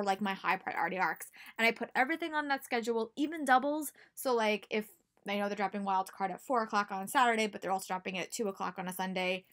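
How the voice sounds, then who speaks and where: A woman's voice: mid-range voice, fairly bright tone. A young American woman giving casual, chatty advice to camera in a small room at home, speaking emphatically and repeating words for stress. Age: young adult. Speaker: book vlogger.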